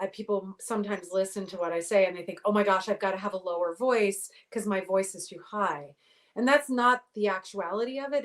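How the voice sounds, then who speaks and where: Middle-aged woman expert, clear and explanatory, mid-range voice. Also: mid-range voice. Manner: articulate, explanatory, uses athletic analogies. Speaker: voice pathologist guest. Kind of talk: interview answers.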